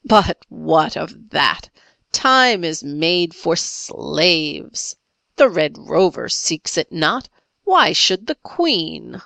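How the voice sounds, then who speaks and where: A woman's voice: fairly low pitch, big pitch swings, takes it slowly, creaky, a bit bright, dry recording, heavily acted. A woman voicing a grave, pompous male pirate chief from a storybook, declaiming with theatrical courtliness. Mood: grave, lofty. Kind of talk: storybook character voice.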